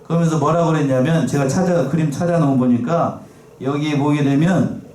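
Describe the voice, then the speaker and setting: A man's voice: mid-range voice, a little mellow, slight background noise. A man preaching a sermon as pastor, asking the congregation questions and reading scripture aloud. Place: church sanctuary. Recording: echoey church, mic at a distance.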